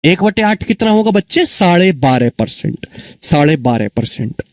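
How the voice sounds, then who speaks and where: A man's voice: a little high, big pitch swings, normal speed, no echo. A man teaching an exam-prep maths lesson, who keeps repeating answers and asking his students questions. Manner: calls students children and friends.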